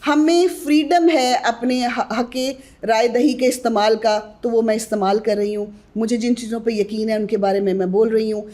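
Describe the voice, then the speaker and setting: A woman's voice: on the high side, steady tone, hardly any pauses, darkish tone. A woman who is a guest on a podcast interview, earnestly advising mothers on newborn care and addressing them directly.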